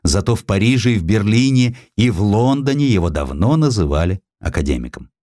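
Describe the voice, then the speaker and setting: A man narrating a historical audiobook with theatrical, measured storytelling. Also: lowish voice, big pitch swings, mellow, no echo, studio quality. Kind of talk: expressive scripted historical narration.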